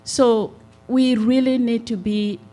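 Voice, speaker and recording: A middle-aged woman from South Sudan speaks in an unhurried, earnest and measured way, pausing often on "uh". Her voice has a mellow, soft tone. She addresses a town hall meeting through a handheld microphone. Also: a little high, fairly even intonation, soft background music. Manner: earnest, measured, with many "uh" pauses. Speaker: community nonprofit representative. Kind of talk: town hall public comment.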